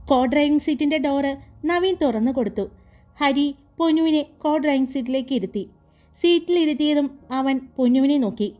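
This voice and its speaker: A woman reading a serialized romance story aloud in a calm, even storytelling voice. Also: high-pitched.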